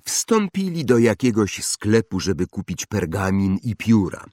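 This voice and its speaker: A man's voice: lowish voice, a little slow, no room sound, clean studio sound. A man narrating an audiobook, reading expressively and acting out the characters. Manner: expressive, acts out voices.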